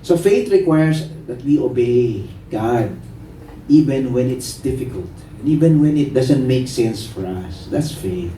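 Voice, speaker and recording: A Filipino-accented pastor preaching a sermon in a lively storytelling way, mixing Tagalog and English and acting out the people in his stories. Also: mid-range voice, takes it slowly, slight background noise. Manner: storytelling, animated, acts out voices. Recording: echoey hall, voice from a distance.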